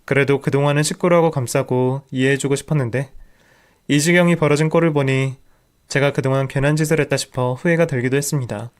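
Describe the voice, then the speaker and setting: A man's voice: mid-range voice, steady tone, quick pace. A man narrating a scripted first-person family story in a dramatic, emphatic way.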